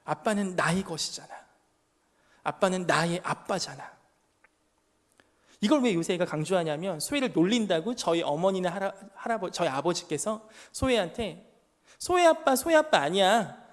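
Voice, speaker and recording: A man's voice: sits high, normal speed. A man in his thirties, a junior pastor preaching a sermon to young adults, pressing the room with emphatic rhetorical questions and stories from his family life. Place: church sanctuary. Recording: long church hall reverb.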